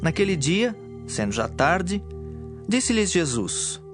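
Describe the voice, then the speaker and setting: A man giving measured, formal narration for a dramatized audio Bible. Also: sits high, very animated. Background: music.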